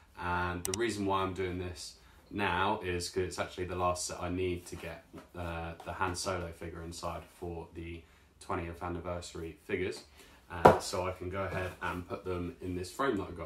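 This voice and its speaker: A man's very deep, low voice, monotone and flat, at a moderate pace, with audible room echo and light background noise. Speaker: toy reviewer. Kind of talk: casual vlog chat. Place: home room.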